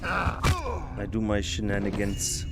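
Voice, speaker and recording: A man's voice: lowish voice, wildly swooping pitch, takes it slowly, very noisy. A man streaming a stealth game live, musing aloud to himself and chatting casually with his viewers, often restarting his sentences. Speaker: podcast host streaming a game. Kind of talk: casual live gameplay commentary.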